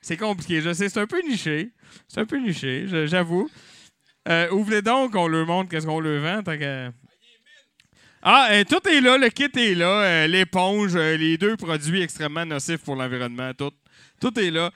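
Rowdy high-voiced Québécois man. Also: lively intonation, moderate pace, fairly bright tone, smooth, no room sound, studio quality. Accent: Québécois French. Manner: rowdy, swearing, joking with the crowd. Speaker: host of a live comedy night. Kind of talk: improvised stand-up hosting with mock auction. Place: live venue with audience.

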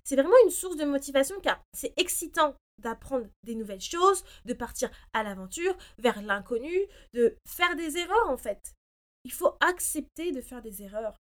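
High-voiced woman in casual motivational talk. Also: expressive, moderate pace. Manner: mixes English phrases into speech. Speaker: personal development podcast host. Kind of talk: casual motivational monologue, informal address to listeners.

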